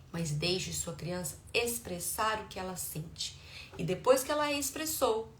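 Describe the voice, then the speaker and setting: A middle-aged woman with a Brazilian Portuguese accent talks parents through advice as a parenting educator. She explains patiently, at times acting out what she says to her children. The room is echoey with a faint hum of ambient noise behind her. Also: mid-range voice. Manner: warm explanatory tone, acts out dialogue with her children.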